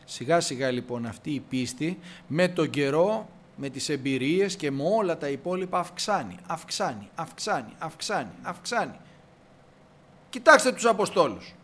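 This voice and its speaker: A man preaching a sermon, his voice pitched high for a man and swinging widely up and down. He tells stories animatedly, acting out the dialogue and repeating words for emphasis. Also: lively intonation, fairly bright tone, a little hiss or hum.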